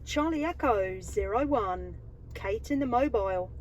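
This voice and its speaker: A woman's voice: medium pitch, animated, unhurried. A woman radio operator making call-outs and exchanges from a mobile CB station. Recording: noisy CB radio transmission.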